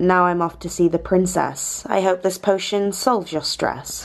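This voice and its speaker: Put on as a character voice, the delivery is sing-song and moves at a moderate pace. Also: woman, medium pitch for a woman. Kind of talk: fantasy cartoon fan drama. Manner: sing-song rhyming, calm, aloof.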